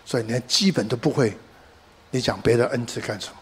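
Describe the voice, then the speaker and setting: A middle-aged man preaching from the pulpit, his voice sitting at an ordinary middle pitch. He leans hard on key phrases and slips English words into his sentences. Between points he tells stories in a conversational way. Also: brisk. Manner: code-switches with English words, animated emphasis, storytelling asides. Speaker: pastor. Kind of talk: sermon.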